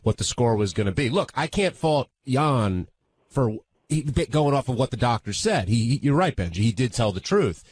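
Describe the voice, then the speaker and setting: A man's voice: medium pitch, big pitch swings, moderate pace, darkish tone, husky. A man speaking off the cuff as a panelist in a radio discussion.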